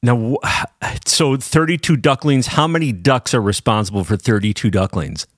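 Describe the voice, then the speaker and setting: A man hosting a podcast in a teasing, joking way, laughing often, his voice sitting at a middling pitch for a man. He chats loosely with a co-host in a casual exchange. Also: moderate pace, no room sound, studio quality.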